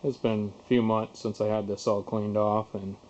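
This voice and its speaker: A man's voice: lowish voice, level tone, moderate pace, darkish tone. A man giving himself a candid, folksy pep talk in casual, rambling vlog style about getting work done. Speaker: car restorer making a vlog. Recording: dull lo-fi camera audio.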